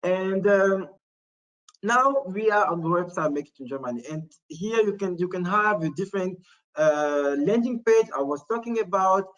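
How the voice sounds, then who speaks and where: High-voiced man walking through a website. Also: poor audio. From Morocco. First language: not English. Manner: halting, many restarts and fillers. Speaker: webinar presenter. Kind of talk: screen-share demo talk.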